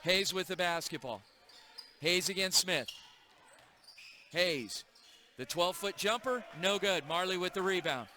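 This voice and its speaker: A man calling a live high school basketball game play by play in a gym, brisk and energetic. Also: a little hiss or hum. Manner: brisk, energetic call of the action. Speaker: play-by-play announcer.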